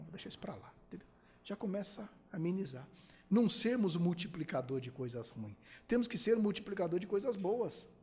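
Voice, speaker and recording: A husky, fairly high-pitched man from Brazil delivers a spiritist lecture. He keeps asking his listeners rhetorical questions. He acts out little quoted exchanges between people. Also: a little mellow, big-room sound.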